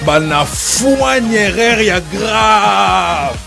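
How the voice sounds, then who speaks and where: High, sing-song man in an ad jingle. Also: very slow, gravelly. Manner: lively, chanted sing-song hype. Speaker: jingle singer. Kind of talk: sung advertising jingle. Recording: jingle mixed over hip hop beat. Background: hip hop music.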